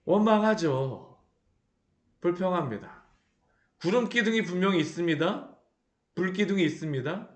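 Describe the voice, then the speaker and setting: A man preaches a sermon with a slightly raised pitch, throwing rhetorical questions at his listeners. He brings the sermon to life by acting out the people he talks about. His voice rings through a reverberant church room. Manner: animated, acts out the people he describes. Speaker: pastor. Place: church sanctuary.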